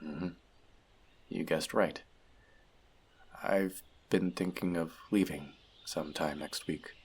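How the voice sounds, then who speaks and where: This low-pitched male voice keeps a steady tone and takes its time, carrying a breathy quality. He fully inhabits the role of an earnest, bookish elf outcast in scripted audio roleplay aimed at the listener, hesitantly confessing self-doubt to a friend.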